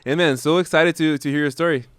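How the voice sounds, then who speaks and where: A man's voice: fairly high pitch, fairly even intonation, fast, fairly bright tone, clean tone, dry recording, clean studio sound. A man with a Brazilian Portuguese accent hosting a podcast, asking enthusiastic, rambling questions full of likes and restarts. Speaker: podcast host. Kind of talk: podcast interview.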